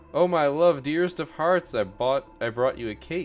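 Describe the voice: A man with a fairly high pitch puts on a croaky character voice at a moderate pace. Faint music plays in the background.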